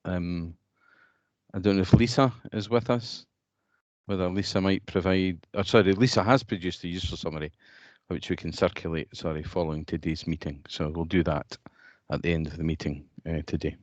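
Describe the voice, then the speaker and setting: Guy chairing a video call meeting, real low voice, kinda muffled dull sound. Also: fairly even intonation, brisk, a little mellow, dry recording. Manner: hesitant, many fillers and restarts.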